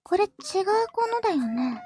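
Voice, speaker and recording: A woman playing a possessive yandere little sister in a live-stream role-play, with a very high, childlike voice. She dotes sweetly, then grows jealous and menacing, and now and then sinks into hushed whispers. Faint children's music plays behind her. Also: very animated, normal speed. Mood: pouty, needling.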